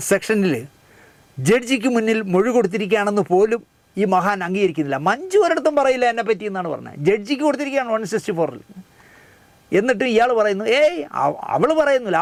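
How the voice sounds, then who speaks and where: A man's voice: sits high, no room sound. A man delivering mocking, scornful commentary on current events, speaking straight to the audience. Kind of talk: satirical commentary.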